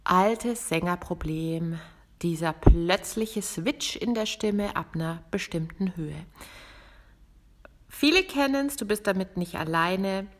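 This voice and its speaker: A woman, hosting a podcast lesson as a vocal coach, talking directly and lively to the listener. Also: fairly low pitch, slow pace. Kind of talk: podcast lesson on singing technique.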